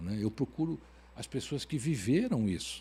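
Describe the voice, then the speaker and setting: Somewhat breathy and dark, mellow in tone, a man's medium-pitched voice makes very wide pitch swings at a fairly slow pace. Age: 60s. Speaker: author and speaker. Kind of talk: podcast interview.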